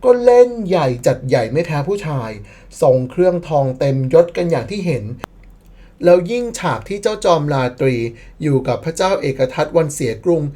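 A woman's voice: low-pitched, sing-song, moderate pace, dark tone. A woman narrating a scripted history commentary as the channel admin, playful and sarcastic, with bursts of mock disbelief.

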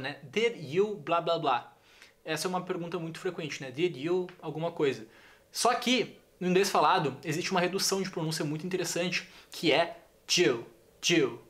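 An enthusiastic young Brazilian man with a Brazilian Portuguese accent runs a casual video lesson. He talks in a chatty way and repeats his examples. His voice sits somewhat high for a man. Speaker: English teacher.

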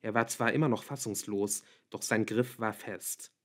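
A man narrating an audiobook in an even, measured reading. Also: fairly low pitch. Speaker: audiobook reader.

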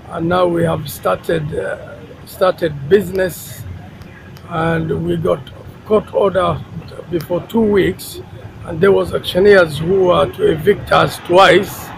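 Middle-aged man, high gravelly voice, street noise. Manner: halting, many fillers, grows emphatic. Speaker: tenant speaking to press. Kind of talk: street interview statement. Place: outdoors on a city street by trees. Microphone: handheld reporter mics close. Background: traffic and street ambience.

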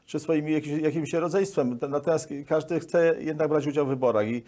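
Heard through a lapel microphone, this sixty-something Polish local official speaks fairly quickly in a fairly high, mellow voice. As a guest in an interview, he answers at length and keeps repeating words partway through his sentences.

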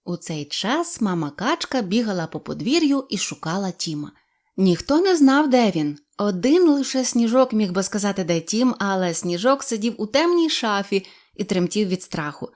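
A woman storyteller narrating a children's audio fairy tale in an expressive, animated reading. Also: mid-range voice, moderate pace. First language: Ukrainian.

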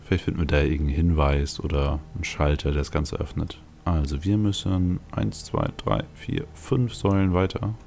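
A man's voice: extremely low pitch, normal speed, gravelly, few pauses, a little mellow. A man giving casual gameplay commentary, musing aloud to himself as he plays. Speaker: let's play host.

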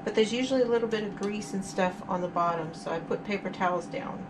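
A woman's voice: mid-range voice, fast talker, background noise. A middle-aged woman hosting her cooking channel, chatting through each step as she cooks in her home kitchen. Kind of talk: casual cook-along narration.

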